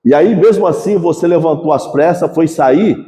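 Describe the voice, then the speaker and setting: A man voicing God as a calm, fatherly figure who gently reassures a man. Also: fairly high pitch, moderate pace, pitched below the performer's own voice, lightly acted. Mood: reassuring. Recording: echoey church hall reverb.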